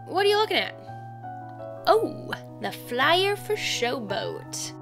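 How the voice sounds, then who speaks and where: A woman's voice: very high-pitched, big pitch swings, slow pace, music in the background, exaggerated voice. An actress playing a supportive, chatty young woman, a college friend, in a casual audio drama style. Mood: upbeat, curious. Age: young adult.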